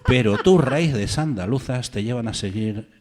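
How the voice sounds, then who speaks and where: A man's voice: medium pitch, lively intonation, measured pace, a little mellow, slight background noise. A man hosting an interview, walking through the guest's career and asking conversational questions. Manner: conversational, reads out career details, asks questions. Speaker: interview host.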